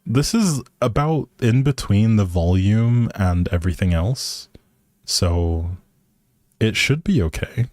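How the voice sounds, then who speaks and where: Slow-talking, low-voiced man streaming casually. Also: expressive, a little mellow, no echo, faint music behind. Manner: easygoing, polite, thinking aloud. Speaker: live streamer. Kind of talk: casual livestream chat over gameplay.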